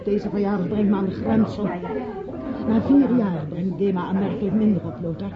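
An actress playing a polished, insistent society hostess in a radio play. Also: female voice, medium pitch, steady tone, normal speed, close to an everyday voice. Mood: gracious, fretful. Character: insistent society hostess managing her composer husband's legacy. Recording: muffled radio play, chattering party crowd.

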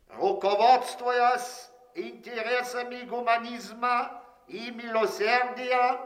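An actor playing a cold army announcer who declaims an ultimatum in a formal, measured way in a war radio drama. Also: male voice, very high voice, full character voice. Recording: echoing loudspeaker, long reverb.

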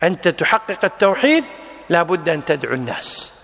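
A man teaching a religious lesson, explaining a text deliberately and repeating key phrases for emphasis. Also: on the high side, sing-song, fairly bright tone, long reverb tail. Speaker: Islamic teacher.

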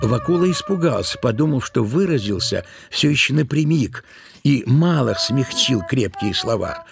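A man narrating a tale for an audio play in an expressive, measured storytelling manner. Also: medium pitch, creaky, soft background music.

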